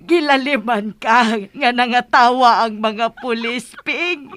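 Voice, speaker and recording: Slow-talking, high-voiced gossipy Bisaya village woman, acted by a woman. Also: a bit bright, no echo. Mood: amused, teasing. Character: gossipy, flustered village woman, teasing and easily embarrassed. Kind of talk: Bisaya radio drama comedy acting.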